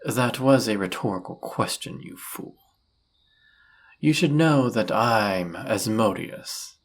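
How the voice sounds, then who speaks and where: A man playing an arrogant demon prince of lust in an audio roleplay, speaking in a suave, condescending, flirtatious manner with a husky, gravelly voice. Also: on the low side, exaggerated voice. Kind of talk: scripted audio roleplay addressed to the listener.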